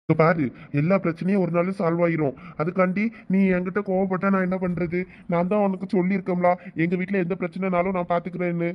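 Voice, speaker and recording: A man's voice: high-pitched, little pitch movement, quick pace, natural voice. A man voicing a hurt but reassuring young boyfriend in a cartoon, with a Thoothukudi Tamil accent. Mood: firm. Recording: dull lo-fi sound.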